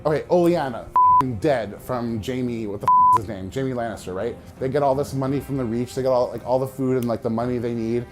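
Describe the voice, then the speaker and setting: A man in casual year-in-review chat, retelling TV scenes in an animated way with shouted sound effects. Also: mid-range voice, brisk, over music. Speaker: comics commentator.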